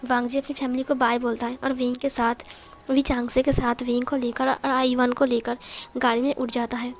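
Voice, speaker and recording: A woman retells a story in a chatty, explaining manner. Her voice sits high, and there is faint music under it. The delivery is casual rather than performed. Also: flat delivery, normal speed. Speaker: story narrator.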